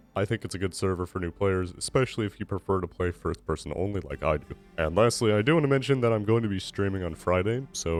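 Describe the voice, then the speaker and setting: With an American accent, a man talks at a very fast pace in a fairly low pitch and ordinary pitch variation. Music plays in the background. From Texas. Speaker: gaming YouTuber. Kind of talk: video game commentary. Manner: casual, hesitant over names.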